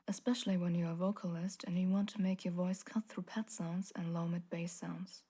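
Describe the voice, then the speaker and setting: A woman with a very deep voice giving a calm, partly whispered audio tutorial into a condenser mic in a home studio. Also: husky. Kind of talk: calm instructional voice-over. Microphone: large-diaphragm condenser studio mic.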